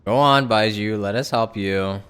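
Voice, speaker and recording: A man's voice: lowish voice, unhurried, a bit bright, smooth. A man giving casual live reactions as a game streamer, with game music behind him.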